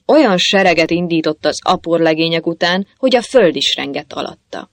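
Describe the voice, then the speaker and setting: A woman telling an old folk legend in a measured, steady narration. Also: lowish voice, dry recording, clean studio sound.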